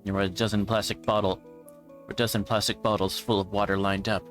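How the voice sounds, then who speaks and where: Low-voiced man narrating a visual novel. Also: flat delivery, fairly quick, fairly bright tone, faint music behind. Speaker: livestreamer reading a visual novel aloud. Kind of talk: dramatic read-aloud narration of a game script.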